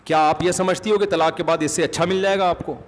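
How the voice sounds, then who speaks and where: A man giving a Friday sermon in a conversational, emphatic preaching manner, with lively asides to the congregation. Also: on the high side, in a large hall, slight background noise.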